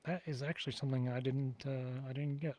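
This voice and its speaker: A man acting as a casual, blunt townsman in a fantasy game, medium in pitch. He rambles in an offhand, colloquial manner through improvised roleplay. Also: level tone, fairly quick, darkish tone, dry recording, lightly acted. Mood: offhand, hesitant. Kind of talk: improvised in-character roleplay dialogue.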